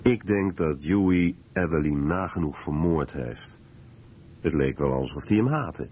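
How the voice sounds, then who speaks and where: A man reading a scripted documentary voice-over in a measured, serious way. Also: a bass voice, lively intonation, a little mellow, muffled recording, slight background noise.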